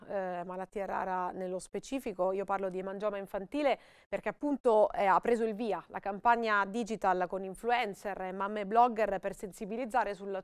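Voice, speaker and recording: A woman's voice: fairly high pitch, smooth, dry recording, studio quality. A woman hosting a TV health show, asking prepared questions and prompting her guest. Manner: prepared, leading questions with a rising "no?". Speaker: TV host. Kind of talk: TV health interview.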